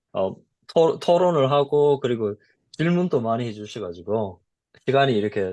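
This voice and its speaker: With lively intonation, a man speaks at a moderate pace over a quiet background. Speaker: athletic trainer. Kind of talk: panel discussion. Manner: halting.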